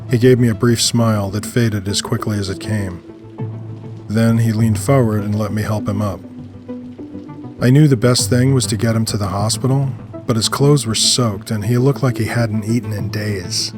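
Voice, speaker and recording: A man with a fairly low voice narrates a first-person urban fiction story. Music plays clearly behind his scripted narration. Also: steady tone, moderate pace.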